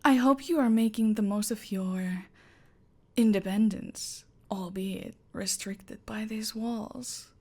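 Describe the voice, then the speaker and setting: A woman voicing an imperious female cartel boss in an audio roleplay, speaking slowly and measured, often in a whisper. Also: mid-range voice, steady tone, a little mellow. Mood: menacing. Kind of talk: ASMR roleplay.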